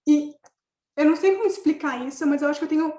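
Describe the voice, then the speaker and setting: Young woman student guest, high pitch, echoey room, hesitant and giggly. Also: fast, warm tone. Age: young adult. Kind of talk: casual panel chat.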